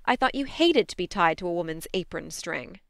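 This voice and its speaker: A woman reading a storybook, voicing a blunt, spirited young woman who talks briskly. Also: on the low side, animated, gravelly, dry recording, clean studio sound. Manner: brisk, scolding, then tender.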